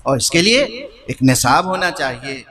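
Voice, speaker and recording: A man's voice: mid-range voice, lively intonation, bright, forceful tone. A man preaching a majlis sermon in a hall, putting rhetorical questions to his listeners and repeating key phrases for emphasis. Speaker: Shia religious scholar.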